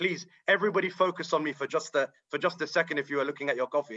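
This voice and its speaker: The recording is dry and close, with no echo. A man with a fairly high pitch speaks at a very fast pace. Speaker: think tank expert and forum moderator. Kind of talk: conference moderation. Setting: online conference.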